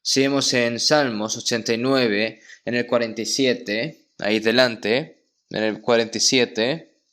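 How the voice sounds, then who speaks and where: A man preaching a sermon, reading scripture passages aloud and then explaining them slowly, often pausing to check in with his listeners with a questioning hum. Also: medium pitch, steady tone, a bit bright.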